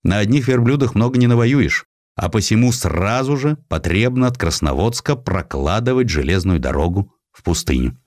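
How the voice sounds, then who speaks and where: A man's voice: on the low side, lively intonation, moderate pace, a little mellow, no echo, clean studio sound, natural voice. A man voicing a decisive, demanding army commander, giving orders in emphatic phrases in a dramatised historical story. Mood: businesslike.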